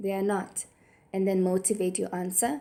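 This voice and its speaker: A woman speaks at a medium pitch with a dark, mellow tone. Her intonation is fairly even. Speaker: maths tutor. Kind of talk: tutorial. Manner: casual, explanatory.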